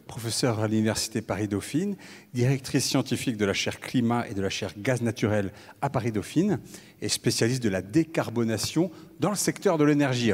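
A man moderating a conference panel, introducing guests and prompting them with measured questions. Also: fairly low pitch, a little mellow, slightly rough. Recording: reverberant conference hall.

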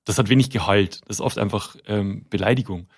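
A man, a guest author in a casual interview, talking in halting restarts with self-deprecating humor. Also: lowish voice, husky.

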